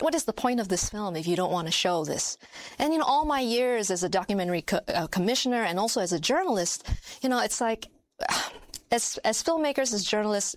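A woman's voice: mid-range voice, dry recording. A woman, a documentary filmmaker and journalist, giving reflective interview answers with searching restarts.

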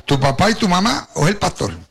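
A man's voice: high voice, big pitch swings, a little fast, fairly bright tone, slightly rough. An older man from Puerto Rico with a Caribbean Spanish accent tinged with Cuban, preaching a personal testimony and addressing his congregation directly as he tells his story. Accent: Caribbean Spanish, Puerto Rican with Cuban influence.

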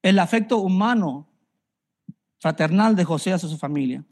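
A man's voice: sits high, expressive, moderate pace, darkish tone. A man, preaching a sermon and telling his own story in an earnest way, often repeating phrases for emphasis. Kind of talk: personal testimony sermon.

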